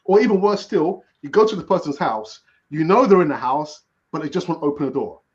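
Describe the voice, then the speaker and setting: A man's voice: a little high, expressive, fairly quick, lo-fi sound. A man hosting a casual chat show, telling personal stories in a rambling way with many restarts. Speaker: podcast host.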